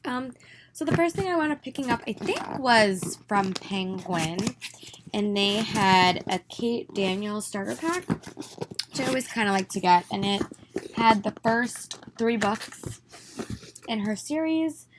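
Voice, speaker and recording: A young woman talks through her purchases in a chatty, eager way, her voice a little hoarse and stuffy from congestion. Her pitch sits at a middle height, and there is faint noise behind her. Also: animated, slow. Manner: chatty, enthusiastic, many "um"s. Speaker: book vlogger. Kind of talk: casual haul video. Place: her room at home.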